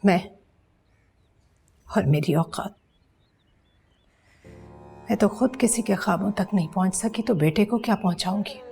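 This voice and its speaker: A woman's voice: mid-range voice, measured pace, creaky, long pauses, dark tone, slightly rough, faint music behind. A bitter wronged mother. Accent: Pakistani Urdu. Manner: cold, accusing. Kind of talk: TV drama acting.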